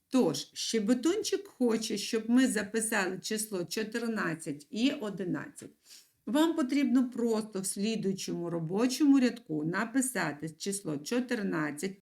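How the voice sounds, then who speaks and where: A woman teacher giving a video lesson to young children, stressing words slowly and clearly with a sing-song lilt. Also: mid-range voice. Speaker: primary school teacher.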